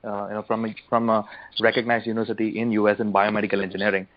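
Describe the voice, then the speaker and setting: A man's voice: on the low side, flat delivery, very fast. A young man calling in to a conference call, politely putting a question and explaining his situation. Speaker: caller with a follow-up question. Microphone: phone conference line. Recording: dull, lo-fi conference call line.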